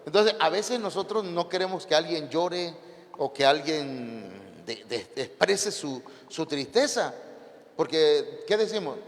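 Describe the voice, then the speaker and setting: A man with a Mexican accent preaches with a fairly high voice, keeping the sermon lively by turning questions on his listeners. His voice rings through a church hall with a long reverb tail. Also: takes it slowly.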